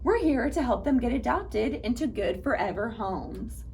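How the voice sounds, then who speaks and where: Helpful grown woman volunteer in a storybook, read by a woman, friendly explainer, raised lively pitch. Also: moderate pace, gravelly, a little hiss or hum. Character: helpful, busy adult female shelter volunteer.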